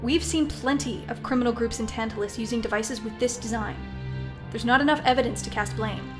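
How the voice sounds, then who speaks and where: A woman playing a level-headed, fair-minded military captain in a science fiction audio drama, measured and commanding. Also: on the high side, over music, lightly acted. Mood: earnest, reasoning. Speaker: captain and defense adjutant.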